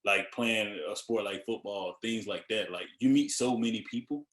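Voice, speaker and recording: A man's voice: on the low side, normal speed, a bit bright, echoey room. A man hosting a podcast, asking guests questions in a laid-back, informal way. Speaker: podcast host. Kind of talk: casual interview chat.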